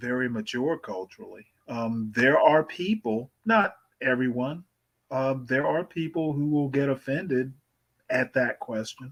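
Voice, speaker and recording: Speaking with a slight Southern US accent, a man at a medium pitch goes at a fairly slow pace in lively intonation. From US South. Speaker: podcast co-host. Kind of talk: casual discussion.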